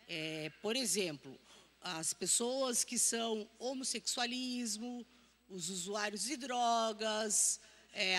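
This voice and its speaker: A woman with a Brazilian Portuguese accent giving a slow, deliberate answer in a Bible class. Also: a little high, pushed and bright. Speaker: church member. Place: church hall. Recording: long reverb in a church hall.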